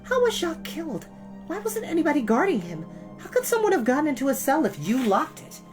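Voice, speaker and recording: A man voicing a brave, sharp teenage orphan girl who presses her questions urgently, in a raised pitch. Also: huge pitch swings, brisk, music in the background, full character voice. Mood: anxious.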